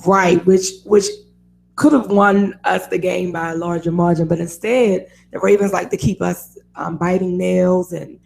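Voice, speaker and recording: A woman with a raspy voice hosting a casual sports talk radio show, chatty and opinionated, laughing often. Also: lowish voice, steady tone, measured pace, darkish tone, faint music behind, poor audio.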